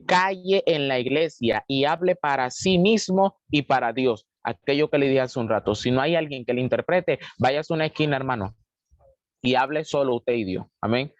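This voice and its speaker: Guy preaching a bible study on a zoom call, kinda high voice, says amen a lot, dull dry audio. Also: dry recording. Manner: preachy, punctuates with amen and brother. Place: home, over a video call. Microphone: video call mic.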